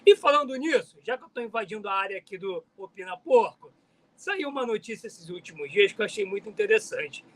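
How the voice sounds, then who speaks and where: A man's voice: high voice, fairly bright tone, rough recording. A man guesting on a casual football chat, upbeat and friendly as he greets viewers. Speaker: guest channel host, Flamengo fan.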